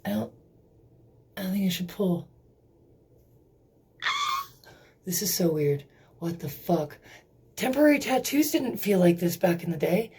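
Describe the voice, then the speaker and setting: A woman's voice: lowish voice, animated, moderate pace, background noise. A young woman vlogging casually, rambling and giggling nervously as she talks to the camera, swearing often. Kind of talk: casual beauty vlog.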